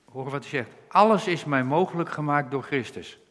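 A man preaching a sermon, earnestly explaining Bible verses and slowing down when he quotes scripture. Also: on the high side, a bit bright, big-room sound.

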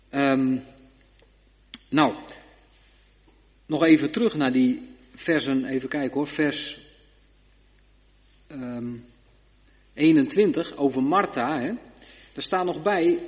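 A man giving a Bible study sermon, reading scripture aloud slowly and checking in with short tag questions. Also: medium pitch. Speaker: preacher. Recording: long reverb of a hall.

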